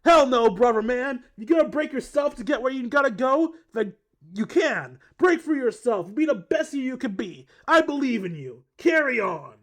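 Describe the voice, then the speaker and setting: A player voicing a gruff, pumped-up young surfer man giving a slangy pep talk in a game. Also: high-pitched, lively intonation, moderate pace, few pauses, voice pushed up. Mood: fired-up. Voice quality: gruff, hyped, shouty. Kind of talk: voice acting a game character.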